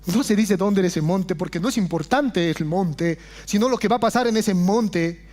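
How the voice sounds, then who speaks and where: A man preaching a sermon with passion, often dropping to hushed low phrases and calling his listeners brothers. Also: normal speed. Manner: addresses congregation as brothers. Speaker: pastor.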